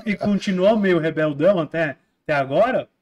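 Male podcast host, casual interviewer, brief interjections, slightly high voice. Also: brisk, a little mellow, muffled recording. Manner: short, agreeing interjections.

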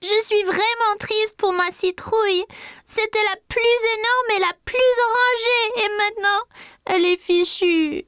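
A performer voicing a curious, excitable four-year-old boy in a children's cartoon, childlike and eager. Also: very high-pitched, measured pace, no echo, clean studio sound, full character voice. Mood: sad. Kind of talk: cartoon voice acting.

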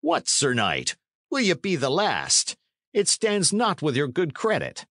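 A man's voice: a little high, huge pitch swings, a little slow, fairly bright tone, no echo, clean studio sound, voice pushed up, heavily acted. A man reading a storybook as a medieval messenger, formal and reproachful, with archaic, urgent speech.

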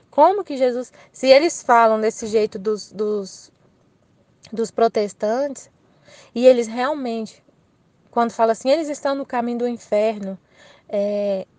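A woman's voice: on the high side, darkish tone. A Brazilian woman hosting a Catholic channel. She comments earnestly and informally on a religious text she is reading, often repeating herself.

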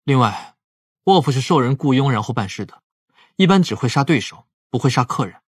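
A man playing a calm, analytical detective in his twenties in an audiobook drama, speaking in a measured, explanatory way. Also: mid-range voice, husky, no room sound, clean studio sound. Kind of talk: Mandarin audiobook drama acting.

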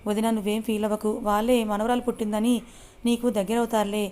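A woman's voice: mid-range voice, little pitch movement, quick pace, a little mellow, close to an everyday voice. A woman voicing a feisty young woman who scolds but cares, in a read-aloud story. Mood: friendly. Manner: scolding, exasperated.

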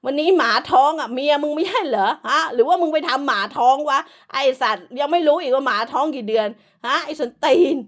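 A woman's voice: high voice, fairly quick, hardly any pauses. A woman delivering an angry, profane, scolding rant as an online commentator, hurling insults throughout.

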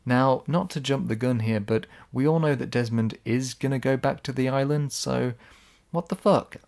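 A man's voice: mid-range voice, fairly even intonation, normal speed, creaky, a little mellow. A man giving casual, sarcastic video essay commentary. He is blunt, swears when annoyed, and his voice sounds slightly worn.

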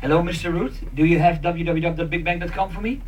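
Male demo participant, high-ish voice, deliberate and theatrical, far from the mic with faint noise. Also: fairly even intonation. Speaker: participant acting in a staged demonstration. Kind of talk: improvised didactic role-play to an audience. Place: conference meeting room. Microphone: handheld mic, picked up by far camera. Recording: distant, noisy room camera pickup.

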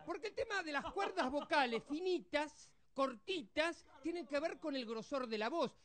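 A man putting on a high, squeaky voice with an Argentine accent, telling jokes on a TV show and acting out the characters in them. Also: lively intonation, moderate pace, fairly bright tone. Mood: chatty. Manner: rattles through jokes, acts out other characters. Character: squeaky-voiced cheeky grown man, playful joker. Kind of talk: stand-up joke telling on a TV show.

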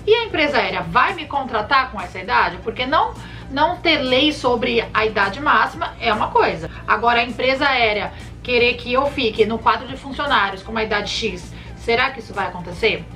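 A woman in her thirties from Brazil, a flight attendant giving casual advice to camera with lively gestures, recorded in a bedroom. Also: fairly high pitch, a little fast, faint music behind. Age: 30s. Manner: chatty, animated hand gestures, addresses viewers warmly by nicknames. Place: bedroom, indoors. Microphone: camera in front at chest framing.

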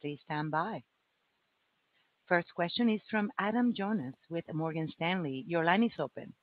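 A man's voice: on the high side, lively intonation, normal speed. A man working as a conference call operator, giving routine scripted instructions. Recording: dull conference line audio.

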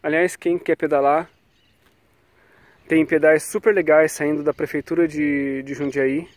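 This cycling vlogger has a cold and is talking casually about bike brakes into an action camera on a quiet paved road outside. Though loose and chatty, ending lines with "tá?" and "né?", his delivery is flat and measured, his voice a bit high. There's no room sound.

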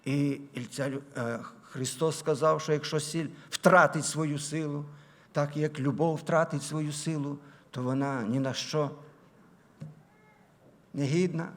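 A man preaching a sermon in a church, moving between loud, raised emphasis and quiet asides, stretching out key phrases. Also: a little high, steady tone. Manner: drawn-out, slowed key phrases. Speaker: pastor. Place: church sanctuary.

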